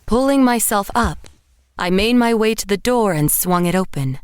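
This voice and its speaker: An actress playing a haunted woman painter who narrates horror in a measured, literary way. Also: medium pitch, lively intonation, background noise, close to an everyday voice. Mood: uneasy, haunted. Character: haunted woman painter narrating her own murder, dazed and grim. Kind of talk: first-person horror audio drama narration.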